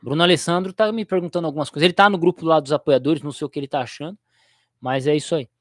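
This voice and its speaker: A man's voice: on the high side, rapid-fire, fairly bright tone, no echo, clean studio sound. A young Brazilian man who teaches theology, chatting casually on his livestream in a rambling, slangy way and laughing easily.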